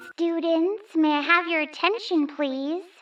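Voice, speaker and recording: At a fairly slow pace, a put-on character voice comes out squeaky and extremely high in pitch. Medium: read story. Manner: formal.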